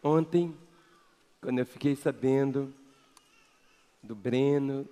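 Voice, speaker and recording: A man with a Brazilian Portuguese accent preaching a sermon as pastor, emphatic, swinging between loud exhortation and quiet low asides. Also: slow pace. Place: large church hall. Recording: long reverb of a church hall.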